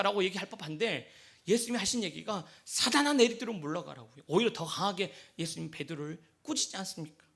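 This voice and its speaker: A male pastor delivers a sermon in a high voice with a gravelly edge. He slips into dialogue, acting out the disciples and Jesus as he explains the passage. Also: fairly bright tone.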